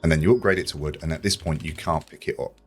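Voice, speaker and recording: A man giving chatty, enthusiastic commentary as a let's play host, slightly croaky from a sore throat. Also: a bass voice, quick pace, soft background music. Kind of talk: casual video game commentary.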